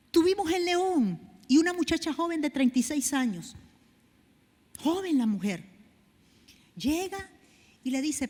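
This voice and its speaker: A woman pastor preaching a sermon, building to loud, fervent declarations. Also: sits high. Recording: long hall reverb.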